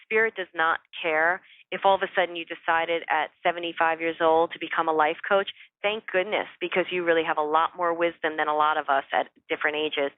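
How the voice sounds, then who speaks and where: A woman's voice: deep voice, dry recording. A woman speaking as a spiritual teacher and interview guest, giving earnest, emphatic motivational advice in a conversational way. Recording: phone-like, narrow-band dry call audio.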